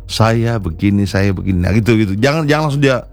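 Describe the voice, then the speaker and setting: A film director, answering interview questions in an earnest, encouraging way, often pausing on fillers and restarting words. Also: male voice, on the low side, animated, a little mellow, no echo, faint music behind.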